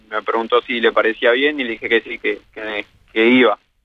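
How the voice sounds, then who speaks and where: This is a man speaking. His pitch is medium. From Argentina, Buenos Aires area. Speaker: footballer. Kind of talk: phone interview. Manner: halting.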